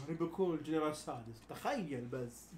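Fast-talking man, insistent. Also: a little high, lively intonation, reverberant, a crowd in the background. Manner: insistent, argumentative, repeats points emphatically. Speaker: show host. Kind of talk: heated casual debate.

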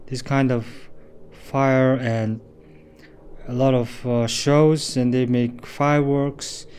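A man's voice: medium pitch, little pitch movement, slow, a little mellow, slight background noise. A man narrating his travel vlog as a voice-over, plainly and with some hesitation. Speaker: travel vlogger.

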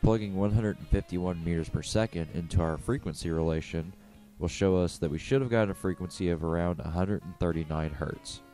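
A man with a low, mellow voice narrates a scripted physics lesson. He explains methodically, one step after another, with music playing behind him. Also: a little fast.

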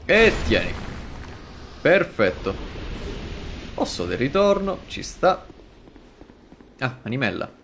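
A man talks through a video game on a live stream, joking and swearing as he plays. His voice swoops widely in pitch while his pace stays slow and drawn out. A faint hiss of background noise sits under the recording. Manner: animated, swearing, jokey asides. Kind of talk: live gameplay commentary.

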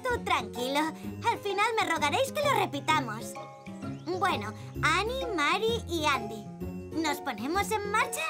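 A woman's voice: very high-pitched, very animated, a little slow, full character voice. An actress with a Castilian Spanish accent playing an upbeat, caring young woman who guides children in a cartoon dub, over music. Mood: cheerful. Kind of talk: animated cartoon dub acting. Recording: loud background music.

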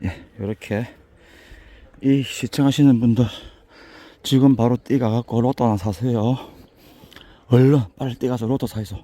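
An older man talks in a thick Busan dialect, his voice hoarse and slightly raspy. He chats and jokes in a folksy, easygoing way as he climbs a mountain path outdoors. His tone is mellow and dark. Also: medium pitch, steady tone, normal speed, long pauses, no room sound. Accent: Busan Gyeongsang dialect. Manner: chatty, joking, folksy. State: out of breath from climbing. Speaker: vlogger touring local alleys. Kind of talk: casual walking vlog.

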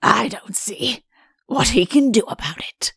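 Woman as a mischievous storybook king, smug, mock-tender, creaky, dry and close. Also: fairly high pitch, unhurried, fairly bright tone, no room sound, full character voice. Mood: gleeful. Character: sly, self-satisfied storybook king fresh from mischief.

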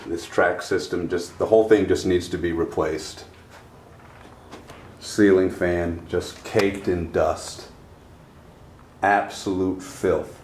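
Speaking slowly with frequent pauses, a realtor with a low, fairly even, slightly mellow voice critiques an empty townhouse in terse, improvised narration. A handheld camera microphone captures the echoing rooms and faint background noise.

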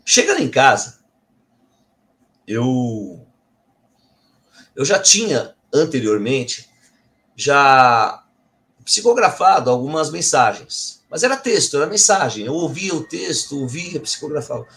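A middle-aged man tells a personal story to his viewers. His voice sits at a middle pitch, and his tone is earnest. He often stops to correct himself. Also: big pitch swings, takes it slowly, pauses often, a bit bright. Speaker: Umbanda medium and channel host.

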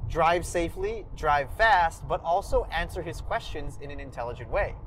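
A man's voice: fairly high pitch, slight background noise, poor audio. Upbeat young man talking from a car. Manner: upbeat, gestures while talking. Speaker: career vlogger. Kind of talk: casual storytelling to camera. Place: parked car interior.

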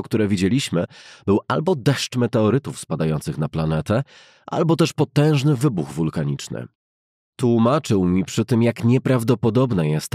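A man reading a classic novel as an audiobook narrator, in a measured, carefully enunciated way. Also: fairly low pitch, a little mellow, slightly rough, no echo, clean studio sound.

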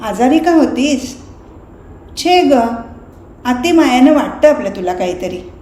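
A woman's voice: sits high, lively intonation, unhurried, mellow. A woman voicing an anxious, fussing middle-aged mother in a read-aloud novel, asking worried questions. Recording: roomy recording, faint noise.

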